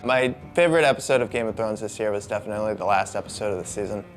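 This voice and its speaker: A man in casual chat, talking in a dry, hesitant deadpan way. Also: lowish voice, very fast, faint music behind. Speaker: comics commentator.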